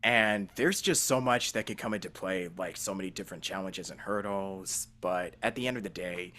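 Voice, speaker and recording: A man's voice: low voice, moderate pace, bright, forceful tone. A man hosting a casual podcast interview, earnest and rambling in the way he makes his points. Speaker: podcast host, voice actor.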